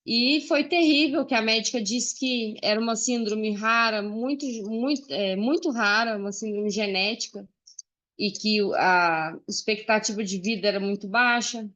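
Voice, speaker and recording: Mineira woman in her 40s on a video call, earnest, lots of little pauses, mid pitch. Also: a bit bright, dull audio. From Uberlândia, Minas Gerais, Brazil. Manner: earnest, pausing often with "é" and "né". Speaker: guest speaker. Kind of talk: personal testimony in a friendly chat.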